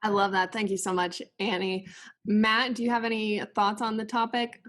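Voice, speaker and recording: A woman's voice: mid-range voice, level tone, normal speed, fairly bright tone. A woman hosting a podcast, asking her guests long, thoughtful questions. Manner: asks long, considered questions. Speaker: podcast host. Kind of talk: interviewing.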